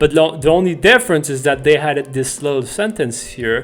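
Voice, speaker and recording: With a French Canadian accent, a man talks using lively intonation. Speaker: print-on-demand content creator. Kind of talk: tutorial. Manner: casual, with frequent fillers and self-corrections.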